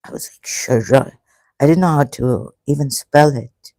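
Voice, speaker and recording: A speaker talks alone on a livestream, halting and emotional, often breaking off mid-phrase. The voice is gravelly and mellow in tone, and the recording is dry and close. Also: mid-range voice, dry recording. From Pakistan, grew up in Karachi. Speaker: online religion commentator. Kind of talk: rambling solo livestream talk.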